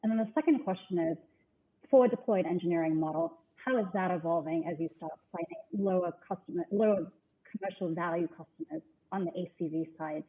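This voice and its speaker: A woman's voice: lowish voice, brisk. A woman calling in as a financial analyst, putting prepared questions to executives on an earnings call. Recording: muffled narrow phone line.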